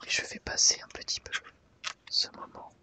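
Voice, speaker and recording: Speaking in a gentle whisper, this ASMR host takes an unhurried stroll through the pages of a book with the listener.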